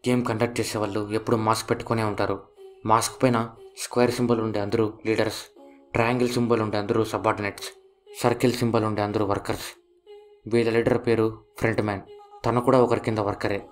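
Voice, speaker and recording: A man with a Telugu accent narrating a series plot in a quick, steady scripted telling. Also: on the low side. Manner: fast, flat, steady telling.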